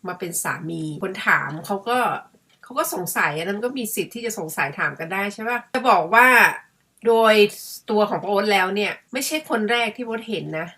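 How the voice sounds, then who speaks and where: A middle-aged woman from Thailand talks to her viewers in a loose, chatty vlog style. Her voice is bright and clear, sitting at an ordinary middle pitch, and she muses aloud as she goes. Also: a little fast. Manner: chatty, musing, refers to herself by her own nickname. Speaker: vlogger. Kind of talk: casual chat to camera.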